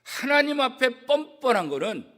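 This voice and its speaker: A man, a church pastor, preaching a sermon with strong emphasis, swinging from loud declarations to hushed, almost whispered asides. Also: very high-pitched, sing-song, moderate pace. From South Korea. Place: church sanctuary.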